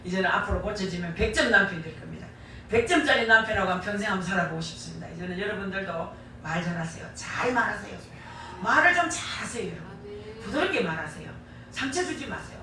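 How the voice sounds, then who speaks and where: A woman's voice: medium pitch, expressive, fast talker, background noise. A middle-aged woman with a Gyeongsang Korean accent preaching a sermon, emphatic and folksy, repeating key phrases for weight. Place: church sanctuary. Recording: echoey church hall, distant mic.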